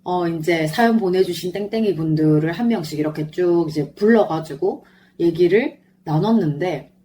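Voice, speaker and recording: Her voice fairly low, with a little hiss or hum on the recording, a woman hosts a solo podcast reviewing a show she attended. She's a gushing, lively fan, though her throat sounds sore and strained after singing along.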